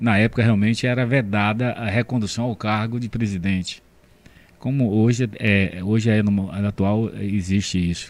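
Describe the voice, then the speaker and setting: A man with a plain, everyday voice speaks at a moderate pace in a fairly low pitch with fairly even intonation. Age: 60s. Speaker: local politician and former radio owner. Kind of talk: casual interview.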